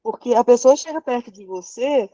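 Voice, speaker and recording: A woman psychologist shares her view in a casual discussion, polite and gently hedging. Her voice is mellow and fairly high, heard dry and muffled, like over a lo-fi call. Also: normal speed, dry recording.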